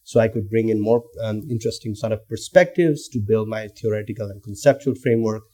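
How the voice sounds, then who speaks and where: Speaking fairly quickly in a warm, fairly low voice, a Nepali researcher in his thirties engages in academic conversation as a guest lecturer. He thinks aloud, with many fillers and restarts.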